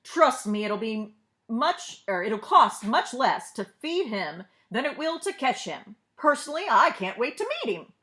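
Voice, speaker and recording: A woman's voice: fairly high pitch, sing-song, a little slow, a bit bright. A woman voicing an earnest, dignified male president in a children's storybook, with emphatic speech-making delivery. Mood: earnest, admiring.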